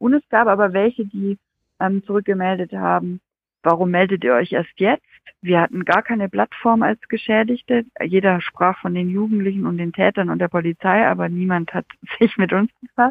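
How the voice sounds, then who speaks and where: A woman speaks in a plain, everyday voice at a medium pitch and moderate pace, with ordinary pitch variation. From Germany, Stuttgart (Swabia). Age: 40s. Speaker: social worker in juvenile justice. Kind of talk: casual interview chat.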